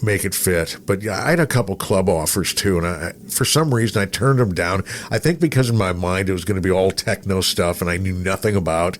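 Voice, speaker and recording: A man's voice: low voice, brisk, hardly any pauses. A middle-aged man chatting casually and telling anecdotes, acting out bits of remembered dialogue. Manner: storytelling, acts out quoted remarks. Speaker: radio personality, podcast guest. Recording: noticeable background noise.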